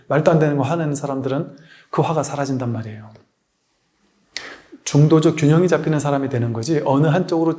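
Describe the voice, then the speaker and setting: A man's voice: on the high side, a little mellow. A man, a Buddhist monk, giving a dharma lecture in a conversational way, asking rhetorical questions and telling anecdotes.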